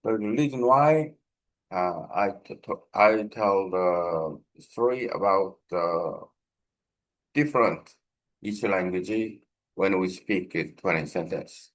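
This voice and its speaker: A man with a Korean accent, a native Korean speaker, explains a language practice project informally in halting, non-fluent English, often searching for words. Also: low voice, rough recording.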